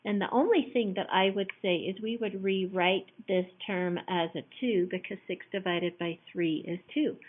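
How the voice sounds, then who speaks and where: A woman math teacher with a hoarse voice walks through a lesson patiently, one step at a time. Her voice sounds thin and tinny, as though it came down a phone line. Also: lowish voice. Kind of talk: recorded classroom lesson.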